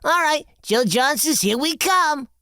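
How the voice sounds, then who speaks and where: A man's voice: very high voice, lively intonation, unhurried, pushed and bright, no room sound, studio quality, voice pushed up, exaggerated voice. A man voicing a laid-back, crude sidekick who talks in casual, swearing slang.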